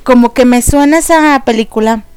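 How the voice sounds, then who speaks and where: A young woman with a Mexican accent hosting a radio show, excitedly recapping a series in casual chat. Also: a little high, moderate pace, smooth, no room sound. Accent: Mexican Spanish. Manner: expressive, excitable storyteller.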